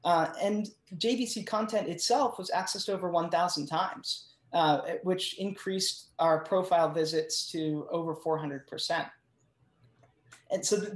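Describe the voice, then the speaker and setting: A conference presenter talking through a case study semi-freely, in a halting way that thinks aloud and repeats words. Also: mid-range voice. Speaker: journal team member presenting a case study. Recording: roomy, echoing sound.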